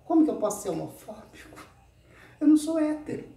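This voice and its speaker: Man, sarcastic rant, swooping lively pitch, mellow tone, echoey room, mic set back. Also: brisk, creaky, far from the mic. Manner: animated, sarcastic, peppers sentences with "tá?". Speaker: YouTube channel host. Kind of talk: ranting reply video.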